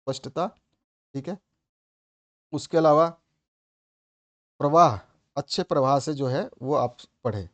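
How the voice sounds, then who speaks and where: A man's voice: mid-range voice, darkish tone. A man teaching an exam-prep lesson. He goes over each point more than once, checks in with "theek hai", and stresses words hard when he acts out examples.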